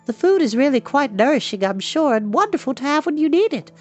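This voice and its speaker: A man's voice: very high voice, big pitch swings, brisk, voice pushed up. A man voicing a spirited, talkative young girl who teases and scolds. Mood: teasing chatter.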